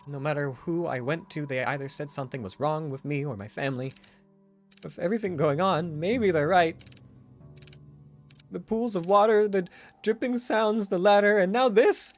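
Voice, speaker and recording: Man voicing an anxious young woman, raised pitch. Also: close to an everyday voice. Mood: distressed, pleading. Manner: hesitant, halting, pleading. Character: anxious, earnest young woman pleading for help. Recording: music behind the voice.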